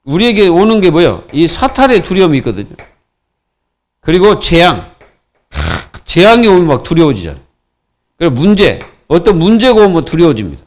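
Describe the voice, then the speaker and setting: A middle-aged man preaching from the pulpit, his voice sitting a little high for a man and leaping up and down in pitch. He talks in an animated, questioning way, keeping his congregation engaged as he builds each point. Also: moderate pace. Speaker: pastor. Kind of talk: sermon.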